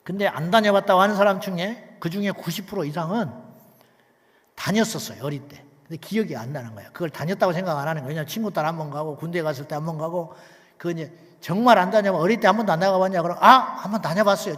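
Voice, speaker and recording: A male pastor preaching an emphatic sermon, dropping to near whispers and then rising loud, with many rhetorical questions to the congregation. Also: on the high side, fast talker, big-room sound.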